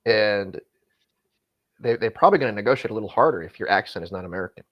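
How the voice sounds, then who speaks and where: A man's voice: lowish voice, lively intonation, fast, lo-fi sound. A man who used to be a freight broker, giving casual, candid advice in conversation, often restarting his sentences as he talks. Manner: rambling, frequent self-restarts, candid. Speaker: former freight broker, guest.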